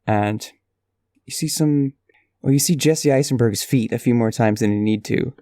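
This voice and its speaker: A man's voice: medium pitch, moderate pace, warm tone, no echo. A man co-hosting a podcast, chatting casually with dry, offhand humor. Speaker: podcast co-host. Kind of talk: casual comedic chat.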